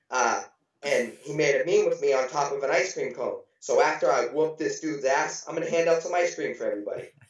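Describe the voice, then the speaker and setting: A man talks at a fairly quick pace, with audible echo in the room. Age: 20s. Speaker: amateur MMA fighter. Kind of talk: casual interview. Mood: confident, trash-talking. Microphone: video call.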